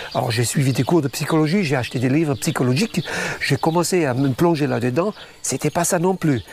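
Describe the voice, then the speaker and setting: Over music in the background, a man speaks at a fairly high pitch and a fairly quick pace, with very even loudness and ordinary pitch variation. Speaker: teacher, author and musician. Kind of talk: testimony. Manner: halting.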